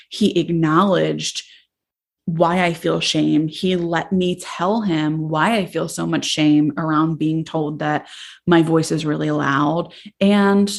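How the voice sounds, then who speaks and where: A woman therapist hosting a podcast, talking casually and passionately, with a voice that carries loudly. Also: low voice, gravelly.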